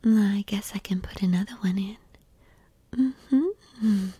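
A woman whispering an intimate ASMR roleplay in a soft, coaxing, reassuring manner. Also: mid-range voice, little pitch movement, fairly quick, breathy edge, dry recording.

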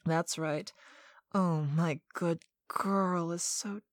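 Slow whispering commanding woman, dry close sound. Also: on the low side, fairly even intonation, no room sound. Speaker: hypnosis audio narrator. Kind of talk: whispered ASMR hypnosis roleplay.

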